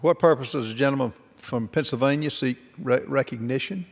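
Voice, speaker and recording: A man's voice: mid-range voice, gravelly. Presiding man in an echoing chamber. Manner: brisk, formulaic recitation. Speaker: presiding chair. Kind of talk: formal parliamentary procedure. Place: large legislative chamber.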